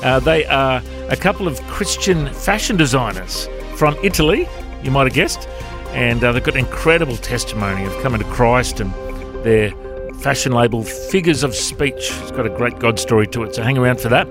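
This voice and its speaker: A man's voice: mid-range voice, lively intonation, normal speed, music in the background. A man hosting a Christian radio talk show, upbeat and chatty, laughing easily with his guests. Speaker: fill-in radio host. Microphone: studio microphone.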